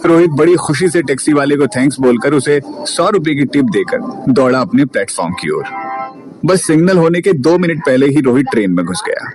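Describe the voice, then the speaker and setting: A man narrating a story in a lively, colloquial way. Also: on the high side, normal speed. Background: music.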